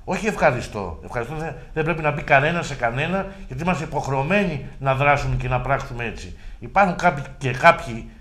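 A man's voice: mid-range voice, hardly any pauses, a bit bright. A middle-aged man, a regional deputy governor, arguing his case emphatically in a local TV interview and using rhetorical questions.

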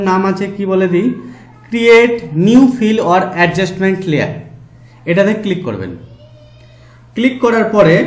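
A man with a Bengali accent giving a slow, step-by-step software tutorial with frequent fillers. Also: high voice, echoey room. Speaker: tutorial host. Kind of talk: screen-recorded software tutorial.

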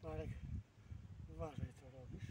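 A man's voice: on the high side, fairly even intonation, measured pace. A man in his sixties from Poland chatting casually and rambling to himself as a fishing vlogger out in a boat. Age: 60s. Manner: rambling, self-deprecating muttering to himself. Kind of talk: casual chat to camera while fishing. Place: outdoors in a boat on open water. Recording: outdoor far mic, clear background noise.

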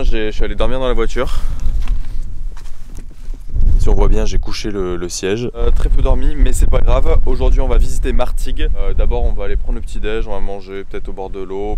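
A young man vlogging outdoors on a seaside camping trip, talking casually with lots of filler pauses into a handheld camera. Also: on the low side, background noise. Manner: relaxed, rambling, many filler pauses. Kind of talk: casual travel vlog. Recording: background music under the voice.

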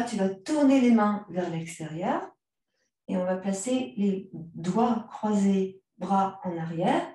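A woman guiding a yoga class, giving calm, unhurried cues timed to the breath. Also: mid-range voice. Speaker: yoga teacher. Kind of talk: guided yoga class instruction. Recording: very echoey room, mic far off.

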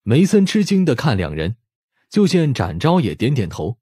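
语调生动、略带沙哑的男性说书人. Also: male voice, mid-range voice, wildly swooping pitch, moderate pace, darkish tone, husky, no room sound, studio quality. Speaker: audiobook narrator. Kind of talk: expressive scripted story narration.

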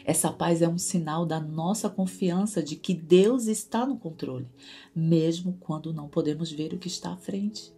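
Woman, earnest devotional teaching, low mellow voice, soft guitar behind. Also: moderate pace, husky. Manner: earnest, repeats words for emphasis. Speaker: Christian women's devotional host.

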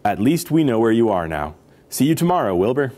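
A man's voice: medium pitch, very animated, brisk, mellow, lightly acted. A man voicing a friendly, easygoing male elephant leader in a children's storybook, teasing and advising kindly.

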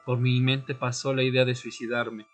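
Tormented newly turned vampire played by a man, telling his tale in a radio drama. Grave, measured, music underneath. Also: medium pitch, little pitch movement, natural voice. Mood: haunted, somber. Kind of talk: dramatic first-person audio drama narration.

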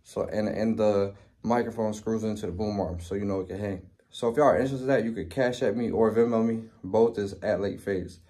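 A young man, a barber, giving a laid-back tutorial voice-over from a small dim room at home, speaking into a boom-arm studio mic. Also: brisk, hardly any pauses, mellow. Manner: laid-back, plain instructional talk. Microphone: studio microphone on boom arm. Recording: faint guitar music underneath. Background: faint guitar music.

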